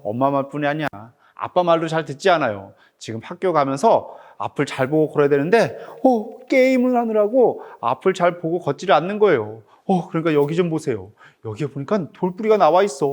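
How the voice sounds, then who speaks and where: A middle-aged man, a picture book author, reads his book aloud to children in an animated teacher's manner and keeps asking them questions. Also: fairly high pitch, brisk, hardly any pauses.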